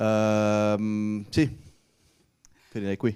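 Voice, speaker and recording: A man's fairly low-pitched voice with a dark, mellow tone and a Croatian accent. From Croatia, Rijeka. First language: Croatian (speaking Italian). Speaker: film director. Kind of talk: panel talk. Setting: stage with audience. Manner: halting.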